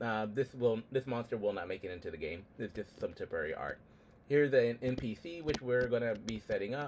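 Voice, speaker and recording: A man's voice sits at medium pitch. He talks at a very fast pace. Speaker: game developer streamer. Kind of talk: devlog livestream.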